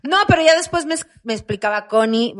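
A Mexican woman in casual chat, telling a story in an animated way and acting out the voices of people in it. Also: a little high, brisk.

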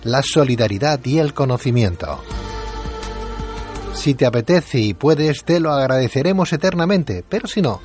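A man's voice: mid-range voice, lively intonation, moderate pace, a little mellow. A man with a Castilian accent from Spain, reading a scripted promotional message as a radio podcast presenter. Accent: Castilian Spanish from Spain. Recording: faint music behind the voice.

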